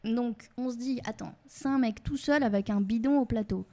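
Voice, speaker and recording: A woman's voice: a little high, moderate pace, warm tone. A woman from the Pyrenees chatting as a radio guest, laughing often and filling with hesitations. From Pyrenees, southern France. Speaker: theatre guest. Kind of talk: casual radio chat.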